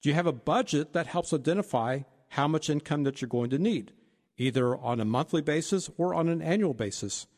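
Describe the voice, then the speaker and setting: A man with a voice on the high side co-hosts a financial advice talk, briskly listing retirement planning points. The financial advisor stays steady and explanatory, and his voice carries a big-room sound.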